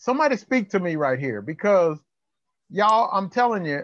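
A man with a Southern US accent, dry sound with no echo and a quiet background. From US South. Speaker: church singles group leader. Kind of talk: group discussion facilitation. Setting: video call. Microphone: video call.

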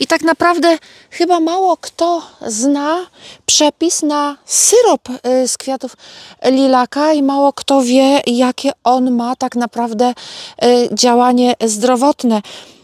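A woman speaks very slowly in a high voice with ordinary pitch variation. The sound is dry with no echo, over a quiet background. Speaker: home herbal remedy vlogger. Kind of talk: tutorial. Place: garden. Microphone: lapel.

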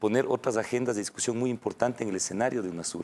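A man's voice with fairly even intonation. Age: young. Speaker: presidential candidate; candidate. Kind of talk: televised political Q&A. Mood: calm, earnest. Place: studio. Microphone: lapel.

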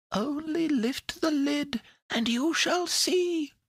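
In a put-on character voice, someone speaks at a high pitch and a very slow pace. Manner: gentle, playful.

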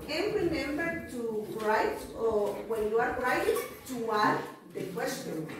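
A woman speaks at a very slow pace, her pitch swinging very widely. Strong room echo and noticeable background noise fill the recording. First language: Spanish. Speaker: English teacher. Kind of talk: classroom lesson. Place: classroom. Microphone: camera far.

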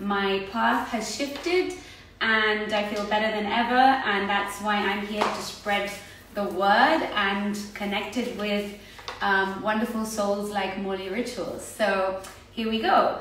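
Heard with light background noise and audible room echo, a woman speaks very slowly with fairly even intonation. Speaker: chef hosting cooking demo. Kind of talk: casual livestream intro. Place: kitchen. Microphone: phone near.

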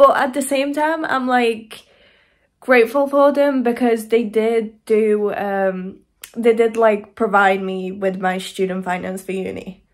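Against a quiet background, a woman with a British accent talks at a fairly slow pace, her fairly high pitch showing ordinary variation. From UK. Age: 20s. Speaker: vlogger. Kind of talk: casual vlog chat. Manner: chatty, hesitant with fillers. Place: kitchen. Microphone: phone near.

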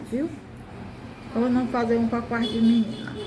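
The speaker is a woman with a moderate pace. Light background noise is present. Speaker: sewing tutorial host. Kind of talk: casual tutorial chat. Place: workshop. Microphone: phone near.

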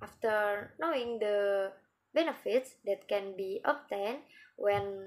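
Against a quiet background, a woman with an Indonesian accent talks very slowly at a fairly high pitch. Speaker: university student. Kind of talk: class presentation. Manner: halting, many fillers. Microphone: webcam.

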